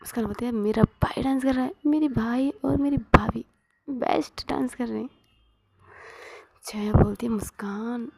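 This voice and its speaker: Husky whispering woman storyteller. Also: fairly high pitch, moderate pace. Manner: soft whispered narration, voicing all characters herself. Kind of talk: whispered role-play.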